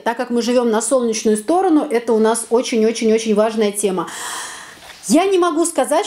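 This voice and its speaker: Lively, self-mocking young woman vlogger. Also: on the high side. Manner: lively, self-mocking, talks with her hands. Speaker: home vlogger. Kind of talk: casual chatty vlog. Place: small bright room, indoors.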